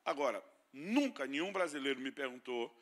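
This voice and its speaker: A man's voice: medium pitch, animated, normal speed, a bit bright. A man preaching a sermon with a Brazilian Portuguese accent, mixing teaching with humorous personal stories. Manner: storytelling preacher with playful humor. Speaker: pastor.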